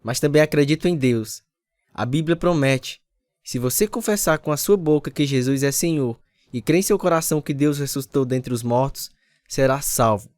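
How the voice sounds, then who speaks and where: A 30s actor voices the narrator and main character of a scripted radio drama with acoustic guitar music behind him: an earnest, repentant husband relating his conversion in an earnest, confessional tone. Medium pitch, normal speed, a little mellow and lightly acted, the recording is dry.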